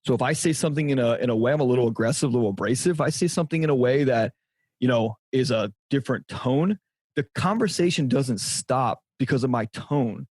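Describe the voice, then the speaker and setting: A man's voice: mid-range voice, a little fast, darkish tone, husky, no room sound. A middle-aged man, a guest on a podcast, speaking directly and emphatically about relationships. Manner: emphatic, direct, repeats for stress. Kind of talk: conversational interview.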